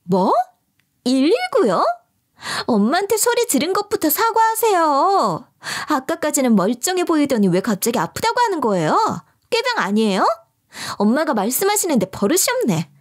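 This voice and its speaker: A woman's voice: on the high side, sing-song, normal speed, a little mellow. A woman voicing a rude young sister-in-law who whines and makes snippy demands. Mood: whiny.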